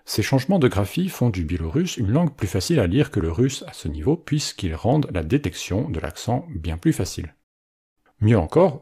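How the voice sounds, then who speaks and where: A man with a very low, husky voice narrates a scripted language lesson. His pitch moves lively up and down while the tone stays mellow and dark, in a clear, explanatory teaching manner.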